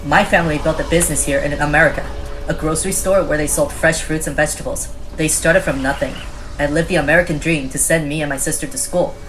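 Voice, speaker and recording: A woman's voice: deep voice, steady tone, fast talker, music in the background, lightly acted, poor audio. A woman playing an earnest, pleading Japanese American male game show contestant in a satirical theater piece. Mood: indignant, heartfelt. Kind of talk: satirical readers theater performance.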